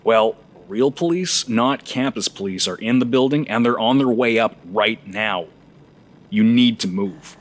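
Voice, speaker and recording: An actor playing a blunt, exasperated man who works at a school, in an audio drama, husky and dry. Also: on the low side, a little slow, lightly acted. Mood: urgent. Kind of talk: naturalistic audio drama acting.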